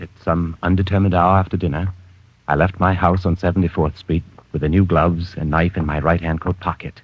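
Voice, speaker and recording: An actor playing a cold, precise male killer narrating his diary in a 1940s radio drama, calm, clipped and detached. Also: low-pitched, breathy edge. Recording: dull old radio broadcast with music.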